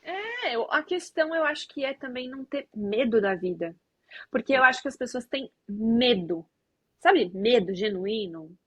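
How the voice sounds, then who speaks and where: A woman hosts a podcast and speaks in a reflective, thoughtful way. Her voice is somewhat high and breathy. It is recorded close and dry, with no room sound. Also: lively intonation, normal speed, a bit bright, dry recording. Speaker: podcast host. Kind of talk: casual conversation.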